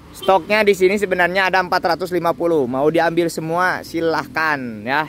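A man talks in a high pitch with an upbeat tone at a fairly slow pace. The sound is dry with no echo, over light background noise. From Indonesia. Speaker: durian seedling seller. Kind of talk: sales pitch. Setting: outdoors at a plant nursery. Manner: upbeat, hyped-up, pushy street-vendor patter. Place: garden. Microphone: phone near.

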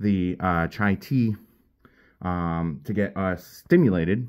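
A man with a normal speaking voice, fairly low in pitch with ordinary pitch variation, against a quiet background. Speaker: powerlifter vlogger. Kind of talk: casual vlog chat. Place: kitchen. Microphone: phone near.

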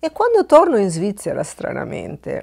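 A dark, mellow tone at a moderate pace over a quiet background. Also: woman. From Albania. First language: Albanian (speaking Italian). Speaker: writer. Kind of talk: video blog monologue. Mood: calm, thoughtful. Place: studio. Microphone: lapel.

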